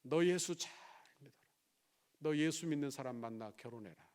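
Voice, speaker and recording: A man's voice: medium pitch, a little mellow, natural voice. A man quoting a frail old grandmother. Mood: pleading. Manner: slow, faint, repeating the same plea. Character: frail dying old grandmother, gentle and insistent.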